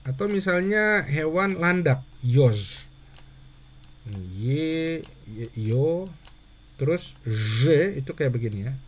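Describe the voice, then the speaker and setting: A man with a husky, slightly hoarse voice gives a handwriting lesson at a calm, patient pace. He poses questions and answers them himself. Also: fairly high pitch, slow. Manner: patient, asks and answers his own questions. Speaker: Russian language teacher.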